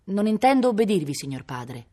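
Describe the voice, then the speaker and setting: A woman reading as a rebellious noble boy, his voice raised a little higher than hers. He answers firmly and defiantly, polite in form but unbending. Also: sing-song, brisk, mellow. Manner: firm, defiant, cheeky.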